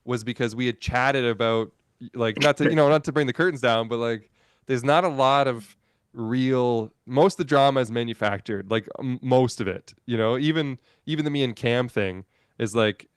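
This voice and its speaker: Casting: man, smooth resonant voice, dry sound, loose rambling chat over a call. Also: mid-range voice, moderate pace, dry recording. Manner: rambling, restarts and self-corrections. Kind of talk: casual chat on a live stream.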